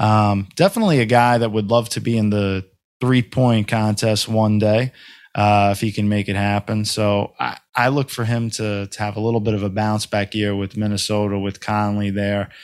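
A man's fairly low voice with a New York accent, monotone and flat, on a very clean recording with a silent background. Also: moderate pace. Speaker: podcast host, NBA writer. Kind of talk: casual interview.

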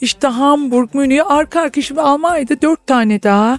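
A woman talks with ordinary pitch variation. Her recording is dry and close, without any echo. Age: 50s. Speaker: restaurant chain founder. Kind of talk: interview.

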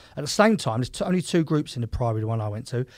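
A man in a London accent, very fast in pace and lively in intonation. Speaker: ex-footballer and author. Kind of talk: casual interview chat.

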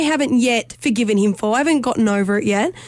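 A woman speaks with an Australian accent. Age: 30s. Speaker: radio host. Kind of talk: casual chat. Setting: studio.

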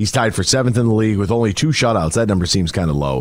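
Man with very wide pitch swings on a very clean recording with a silent background. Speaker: radio host. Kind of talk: sports radio commentary. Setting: studio. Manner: conversational, opinionated, recapping the game.

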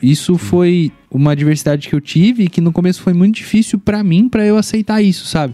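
The speech races along very fast with hardly any pauses and very even loudness, dry and close with no echo, while music plays in the background. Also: man, high pitch for a man, ordinary pitch variation. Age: 20s. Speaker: coffee farmer and agronomist. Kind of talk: casual interview chat.

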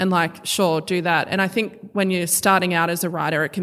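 A woman with a fairly low pitch speaks at a fairly quick pace in a monotone, flat intonation. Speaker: writer. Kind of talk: panel discussion.

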